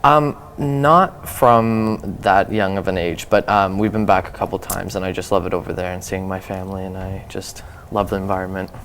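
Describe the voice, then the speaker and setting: A teenage high school student answering interview questions, relaxed with frequent ums. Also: male voice, moderate pace, hardly any pauses, a little hiss or hum. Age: teens. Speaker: guest.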